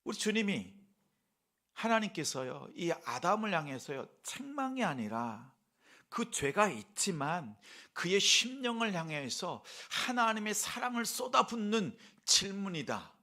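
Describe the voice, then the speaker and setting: A male pastor preaching a sermon, asking the congregation rhetorical questions and swinging between soft whispers and a raised pleading voice. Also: sits high, big pitch swings, a little slow.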